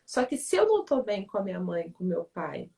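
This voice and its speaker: A woman's voice: on the low side, huge pitch swings, a little fast, vocal fry, mellow. A woman who writes for readers, explaining family relationships in a reflective, teacherly way and often checking in with "né?". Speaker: author and family-relations speaker in a livestream. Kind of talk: explanatory talk in a live conversation. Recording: voice somewhat distant from the mic.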